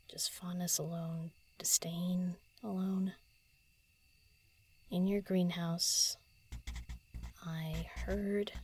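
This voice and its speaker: Solitary writer, played by a woman, audio drama: lowish voice, very slow, halting, murmured thinking aloud, pensive, often half-whispered. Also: a little mellow, slight background noise. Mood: musing, reciting. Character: solitary woman writer muttering while composing a poem, pensive.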